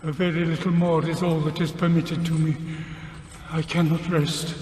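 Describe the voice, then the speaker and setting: A man's voice: on the high side, flat delivery, moderate pace, darkish tone, natural voice. An actor playing the mournful ghost of a dead businessman in a radio drama, speaking in a solemn, lamenting, declamatory way. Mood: mournful, weary. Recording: cavernous long reverb, background noise.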